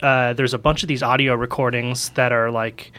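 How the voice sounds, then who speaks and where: A man's voice: mid-range voice, level tone, moderate pace, sharp tone. A man hosting a casual podcast chat, enthusiastic and full of fillers like "like" and "kind of".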